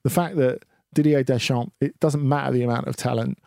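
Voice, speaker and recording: A man analysing football on a podcast in a measured way, with a few repeated words. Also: medium pitch, steady tone, creaky, mellow, dry recording, clean studio sound. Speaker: football pundit. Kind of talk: casual podcast discussion.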